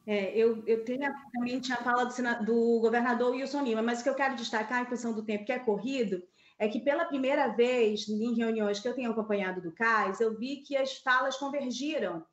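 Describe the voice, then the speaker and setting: A woman's voice: a little high, fairly quick, muffled recording. Brazilian woman columnist on a video call. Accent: Brazilian Portuguese. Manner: thinks aloud with many fillers and restarts. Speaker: political columnist. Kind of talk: live news commentary. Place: home office with map on wall. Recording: echoey room.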